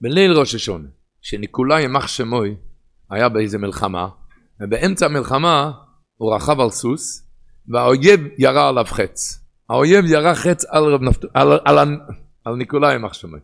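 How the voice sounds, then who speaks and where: A man with an Ashkenazi Hebrew pronunciation giving a sermon in a sing-song study cadence that swings between loud and hushed. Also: medium pitch, expressive, vocal fry.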